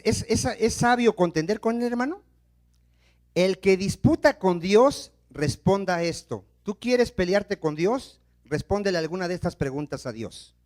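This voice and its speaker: A male pastor preaching a sermon, asking the congregation questions and letting them finish his sentences, moving between loud emphasis and hushed asides. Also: high-pitched. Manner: call-and-response questions to the congregation.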